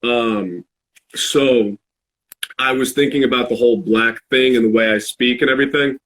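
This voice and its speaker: A man in a casual, reflective podcast chat, halting as he searches for words. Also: medium pitch, steady tone, fairly bright tone, poor audio. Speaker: podcast speaker.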